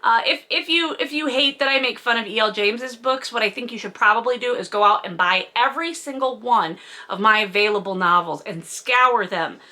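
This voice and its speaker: A woman's voice: medium pitch, bright, forceful tone. A woman hosting a comedic read-along, mocking a book with sarcastic, exaggerated emphasis and plenty of swearing. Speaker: host reading a book aloud and mocking it.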